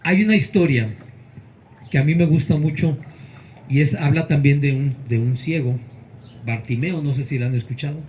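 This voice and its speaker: A male pastor preaching a Sunday sermon, earnest with emphatic pauses. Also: on the high side, darkish tone, slight background noise, low-quality recording.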